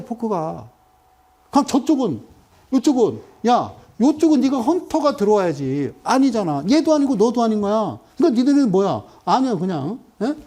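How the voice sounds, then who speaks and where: A middle-aged man lecturing viewers over a stock chart, animated and full of rhetorical questions and sudden exclamations. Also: high voice.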